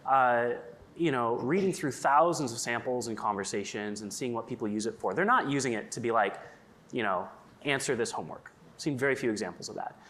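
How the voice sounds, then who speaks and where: On a conference stage, a man whose first language is English chats casually as a panelist, sprinkling in lots of "like" and "um." His voice is mid-range and a bit bright, and he talks a little fast.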